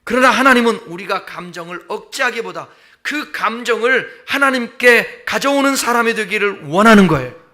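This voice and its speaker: A man's voice: sits high, animated, moderate pace, bright, forceful tone. A man preaching a Sunday sermon as pastor, emphatic, often acting out heartfelt prayers with rising intensity. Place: church sanctuary.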